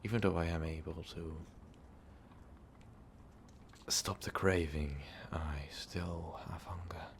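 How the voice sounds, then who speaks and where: A man voicing an ancient, brooding, power-hungry vampire overlord in an ASMR roleplay, talking haltingly and often slipping into whispers. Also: sits low, fairly even intonation, slight background noise. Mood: menacing, hungry. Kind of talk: ASMR roleplay monologue, intimate storytelling.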